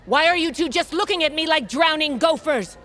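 A woman's voice: high-pitched, a little fast, a bit bright. An actress playing a stern, commanding tribal queen and mother who rallies her people with authoritative speeches. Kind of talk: fantasy audio drama acting. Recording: music bed behind voice.

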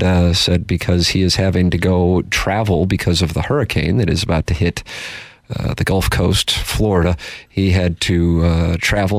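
A man hosting a sports talk show, bantering in a lively, jokey way with sudden jumps in pitch. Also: no room sound. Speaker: host. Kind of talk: casual sports radio banter.

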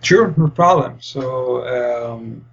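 A young Spanish PhD student, appearing as a podcast guest, earnestly explains his work in extremely slow, gravelly speech at medium pitch. His interview answers are full of fillers and restarts, and the recording has its highs cut off.

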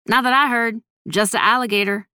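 Brash young woman from the neighborhood, higher-pitched, slangy, respectful of elders, audiobook role female reader performs her. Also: fairly even intonation, a little fast, bright, forceful tone, smooth, no room sound, studio quality. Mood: polite. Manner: slangy, casual.

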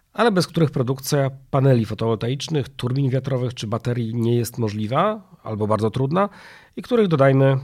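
Hoarse, nasal, creaky-voiced man. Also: mid-range voice, darkish tone. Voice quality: nasal, stuffed-nose voice. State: hoarse from a viral illness. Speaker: podcast host. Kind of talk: podcast monologue, partly scripted.

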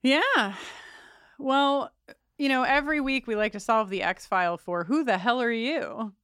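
A woman's voice: on the high side, measured pace, a bit bright, clear, resonant tone, no room sound, clean studio sound. A woman co-hosting a podcast, chatting casually and playfully, often laughing. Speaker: podcast co-host. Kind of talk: casual chat.

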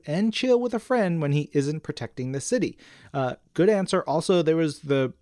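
A man's voice: mid-range voice, a little mellow, dry recording, clean studio sound. A man co-hosting a casual comics fan podcast, chatting enthusiastically and reading out listener messages. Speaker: podcast co-host.

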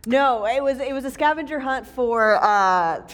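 A woman's voice: high-pitched, expressive, measured pace, a bit bright. A woman in her late twenties co-hosting a live podcast, telling a rambling, laughing story with casual swearing. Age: 20s. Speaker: podcast co-host.

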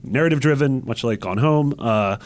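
A man's voice: mid-range voice, fairly quick, darkish tone. A man chatting casually and jokingly on a panel podcast about games. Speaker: podcast host.

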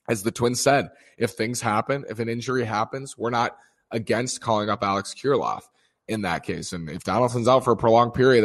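A man with a slightly low, hoarse voice, worn out from screaming at a game. He talks loosely and off the cuff, filling gaps with ums and circling back mid-sentence as he sorts through the day's game. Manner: rambling, many fillers and restarts. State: strained voice from screaming. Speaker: sports commentator. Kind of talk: casual baseball recap.

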